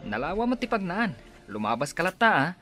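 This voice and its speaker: A man voicing a teasing, joking factory co-worker with a husky voice, in a radio drama. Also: on the high side, sing-song, fairly quick, sharp tone, faint music behind.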